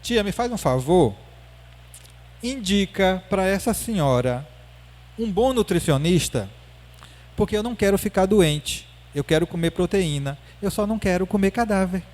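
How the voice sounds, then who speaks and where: A man's voice: sits high, expressive, moderate pace, a little mellow. Man quoting a six-year-old girl, serious, stubborn, matter-of-fact, slightly raised voice. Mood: insistent. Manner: earnest, matter-of-fact arguing.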